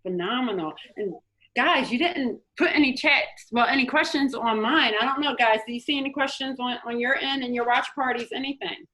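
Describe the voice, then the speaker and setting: A woman's voice: a little high, brisk, sharp tone, low-quality recording. An American woman hosting a casual motivational panel chat, emphatic and encouraging, repeating phrases for effect. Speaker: host.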